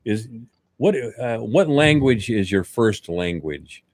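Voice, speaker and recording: Lively, teasing American male host. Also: lowish voice, takes it slowly, dry recording. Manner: teasing, jokey. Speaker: interview host. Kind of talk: casual conversational interviewing.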